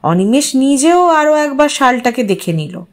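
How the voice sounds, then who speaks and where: Female audiobook-style narrator, slightly high pitch, expressive literary storytelling. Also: moderate pace.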